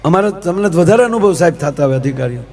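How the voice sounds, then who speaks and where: A man's voice: fairly high pitch, animated, fast talker, warm tone. A man telling comic folk stories on stage in a chatty way, asking the audience rhetorical questions and calling them "sir". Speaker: folk comedian and storyteller. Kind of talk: live stage comic storytelling.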